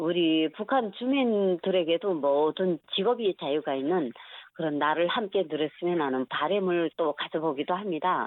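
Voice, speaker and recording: A woman with an unremarkable speaking voice, fairly low in pitch, at a fairly slow pace with ordinary pitch variation. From North Korea, Chongjin. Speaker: North Korean defector, regular guest. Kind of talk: radio interview.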